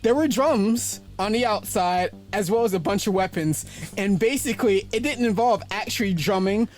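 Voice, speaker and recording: A man's voice: high-pitched, normal speed, soft background music. A man co-hosting a podcast in casual chat, swearing freely and recounting events with laughing asides. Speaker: podcast co-host.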